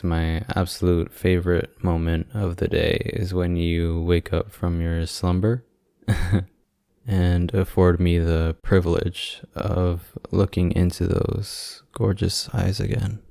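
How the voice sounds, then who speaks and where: Casting: male actor as doting young boyfriend for ASMR roleplay, low smooth voice, gently teasing. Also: flat delivery, slow pace, no room sound, studio quality, full character voice. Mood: tender, playful. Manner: teasing, sweet, gently joking. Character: affectionate, playful young boyfriend visiting hospitalised partner.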